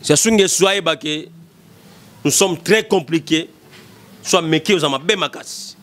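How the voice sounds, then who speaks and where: A man's voice: fairly high pitch, measured pace, fairly bright tone. A man in his thirties with a Congolese accent, giving impassioned political commentary into a desk mic in a small studio, emphatic and repetitive. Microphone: desk mic in front.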